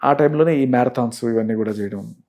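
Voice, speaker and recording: A man in his thirties, a radio jockey, telling his story in a soft-spoken, anecdotal way during a casual interview. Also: mid-range voice, fast. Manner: soft-spoken, anecdotal, mixes in English words.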